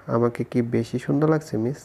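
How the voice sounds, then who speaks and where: A man reading the lines of a teasing, arrogant young hero in a romance audio story, slow and flat in a gravelly voice. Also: medium pitch.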